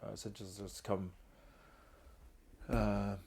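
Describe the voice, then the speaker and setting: A man's voice: on the low side, flat delivery, slow, gravelly, a little mellow, breathy edge. A middle-aged man, a podcast guest candidly telling his own story, earnest and open about hard times. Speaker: guest, founder of a reintegration trust.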